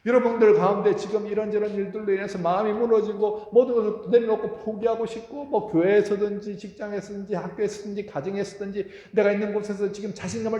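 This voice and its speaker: A male pastor preaching a sermon with emphatic swings in pitch and loudness. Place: large church sanctuary. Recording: echoey hall reverb.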